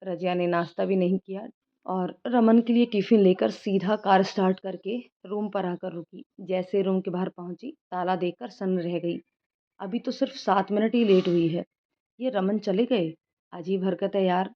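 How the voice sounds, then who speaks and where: A woman narrating an animated moral story in a plain, steady storytelling voice. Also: mid-range voice, normal speed. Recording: dull lo-fi recording.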